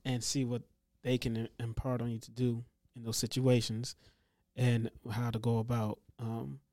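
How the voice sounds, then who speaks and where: A man co-hosting a casual discussion, halting and searching for words as he answers. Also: medium pitch, little pitch movement, a little mellow, no room sound, clean studio sound.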